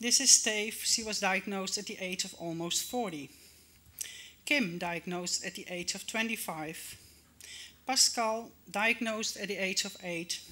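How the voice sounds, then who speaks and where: A woman with a Dutch accent has a bright, sharp tone. She speaks at a fairly slow pace with ordinary pitch variation. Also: medium pitch for a woman, big swings in loudness. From Netherlands. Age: 50s. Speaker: patient advocate. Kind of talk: conference talk. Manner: reading from notes.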